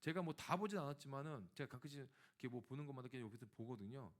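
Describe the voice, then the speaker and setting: Male pastor, lively pitch, storytelling sermon that addresses the congregation. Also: very fast. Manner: animated storytelling, acting out dialogue; speaks directly to the congregation.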